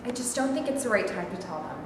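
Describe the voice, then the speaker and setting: A woman's voice: medium pitch, lively intonation, fast talker, crowd noise, lightly acted. A woman in a staged play reading playing a bold young Hasidic girlfriend who coaxes and presses. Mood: pleading, hurt. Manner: pressing, coaxing. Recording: echoing hall, distant mic, clear noise.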